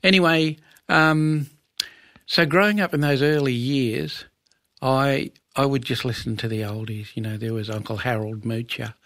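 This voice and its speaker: Gravelly older Aboriginal Australian man reminiscing. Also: medium pitch, normal speed, a bit bright, dry recording. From Western Australia. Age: 70s. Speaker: interview guest, Aboriginal elder. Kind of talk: conversational reminiscence.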